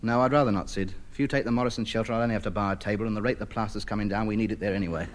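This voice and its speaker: A man's voice: lowish voice, steady tone, rapid-fire, natural voice. An actor in a vintage radio sitcom playing a pompous, self-important man who lectures and gets indignant. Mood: lofty. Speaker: lead character. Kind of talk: 1950s radio sitcom acting. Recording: scratchy old radio broadcast.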